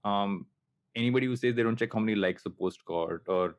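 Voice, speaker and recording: A man's voice: on the low side, a little fast, smooth. A man in his late thirties with a Telugu Indian accent, talking casually and reflectively as a podcast host, anecdotal and self-deprecating. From coastal Andhra Pradesh, India. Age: late 30s.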